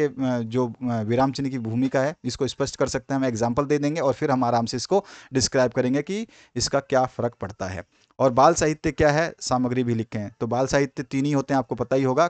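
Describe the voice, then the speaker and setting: A man of ordinary pitch runs through exam questions in a patient revision lesson. He works through each answer step by step, repeats the points that matter and pauses on fillers as he goes. The sound is dry and close, with no room around it. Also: dry recording. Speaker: exam prep teacher.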